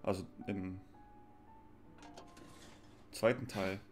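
Low-voiced German man streaming games. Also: fairly even intonation, drawn-out words, faint music behind. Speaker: game streamer. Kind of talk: casual live stream commentary. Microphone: close desk microphone.

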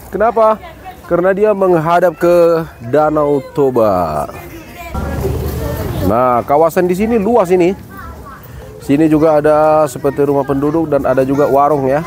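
A man in his forties hosting a casual travel vlog. He speaks in a friendly, unhurried way into a phone held at arm's length outdoors, and exclaims at the views. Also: fairly high pitch, a little mellow, slight background noise. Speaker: travel vlogger. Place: outdoors by a lake.

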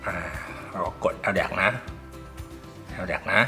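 A man's voice: slow, over loud music. A man reviewing earbuds in a casual, rambling way, groping for words and swearing now and then. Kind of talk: casual tech review talk.

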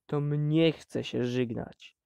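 A man voicing a defiant eighteen-year-old miner who answers his father in a low, hissing tone. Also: fairly even intonation, a little slow, creaky, a little mellow, no echo.

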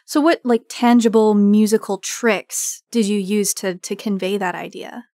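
A woman's voice: medium pitch, fairly even intonation, measured pace, a little mellow, dry recording, studio quality. A woman hosting a casual roundtable interview and putting questions to guests. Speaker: roundtable host.

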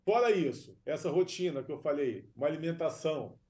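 A Brazilian man gives informal expert advice in a fairly high but soft-edged, mellow voice. It sounds like a webcam recording in a small room. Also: expressive, brisk. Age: 30s or 40s. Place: small room at home or office.

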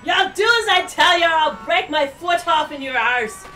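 An actress voicing a brash, bossy pregnant young woman in a comic radio drama, crude and sharp-tongued. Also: very high-pitched, animated, normal speed, soft background music, heavily acted.

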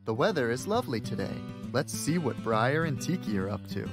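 An actor playing a kindly, reassuring cartoon storyteller with a gravelly voice. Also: medium pitch, sing-song, a little fast. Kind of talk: cartoon narration. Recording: music loud behind the voice. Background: loud plucked-string children's music.

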